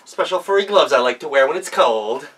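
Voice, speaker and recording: A man's voice: fairly high pitch, lively intonation, fairly quick, a bit bright, slightly rough, recorded from a distance, voice pushed up. A man voicing a sly storybook wolf who poses as a sweet old grandma, coaxing and hesitant with excuses. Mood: flustered, evasive. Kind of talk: animated storybook character voice.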